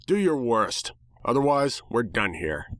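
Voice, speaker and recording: A man's voice: mid-range voice, big pitch swings, measured pace, fairly bright tone, no echo. A man voicing a smart-mouthed, exasperated pony hero in a dramatic story reading, sarcastic and defiant.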